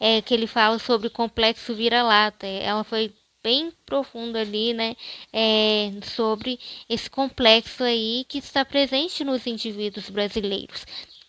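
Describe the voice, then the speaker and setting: In a very clean, dry, close recording with a silent background and no echo, a woman with a bright, sharp tone and fairly high pitch speaks at a fairly slow pace with fairly even intonation. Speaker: teacher. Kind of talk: reading aloud; lecture. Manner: halting.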